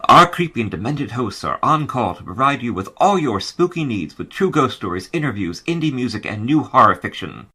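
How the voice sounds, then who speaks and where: A man's voice: mid-range voice, sing-song, brisk, hardly any pauses, sharp tone, husky. A man reading a scripted spooky radio promo with a dramatic announcer delivery.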